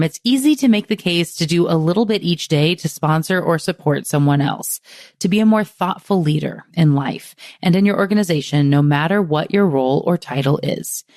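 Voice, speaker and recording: A woman's voice: fairly low pitch, moderate pace, darkish tone, no room sound, clean studio sound. A woman hosting a podcast, upbeat and encouraging, closing the show with a scripted wrap-up. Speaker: podcast host.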